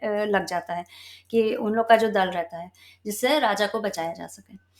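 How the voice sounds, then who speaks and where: A woman telling a parable with a moral in a casual, conversational way, pausing often with fillers and correcting herself. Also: a little high, fairly bright tone. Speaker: spiritual storyteller.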